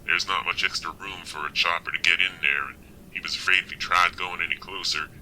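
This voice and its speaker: A man playing a folksy, matter-of-fact forest service officer in an amateur audio drama, speaking in a measured way. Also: deep voice, fairly even intonation, bright, forceful tone, slight background noise, rough recording. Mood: concerned, businesslike.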